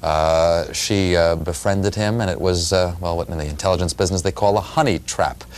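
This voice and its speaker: A man in his thirties from New York City, a radio reporter and author, answering interview questions in a measured, storytelling way in a television studio on a lapel mic. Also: sits low, steady tone.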